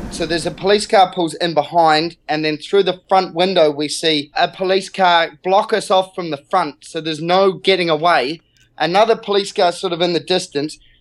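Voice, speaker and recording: The speaker has a New Zealand accent and fairly even intonation, moving at a moderate pace with hardly any pauses. The background is quiet. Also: man, high pitch for a man. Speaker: clown, street performer. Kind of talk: casual storytelling chat.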